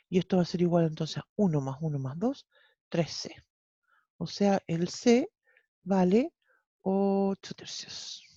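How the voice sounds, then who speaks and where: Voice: medium pitch, warm tone, dry recording. A math teacher with a Chilean accent, teaching an online class step by step and often checking in with the students. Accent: Chilean Spanish. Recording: dull lo-fi online class audio.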